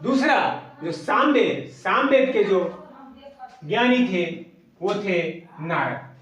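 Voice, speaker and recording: A man teaching an exam coaching lesson, asking questions and then repeating the answers slowly. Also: sits high, animated, a bit bright, recorded from a distance, dull audio. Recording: echoey room, voice away from mic.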